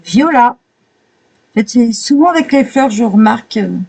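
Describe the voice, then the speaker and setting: Mellow-voiced woman gushing over pages. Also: fairly high pitch, lively intonation, unhurried, vocal fry, breathy edge, low-quality recording. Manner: admiring, exclamatory. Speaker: coloring book reviewer. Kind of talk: casual flip-through commentary.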